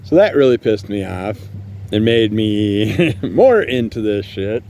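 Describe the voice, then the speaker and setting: A man's voice: on the low side, animated, takes it slowly, dark tone, a little hiss or hum. A man hosting a solo podcast, ranting bluntly and angrily with plenty of swearing, recorded outside at night. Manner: angry, blunt and profane. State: living with multiple sclerosis. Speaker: podcast host. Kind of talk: casual solo rant. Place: outdoors at night. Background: distant fireworks and passing vehicles.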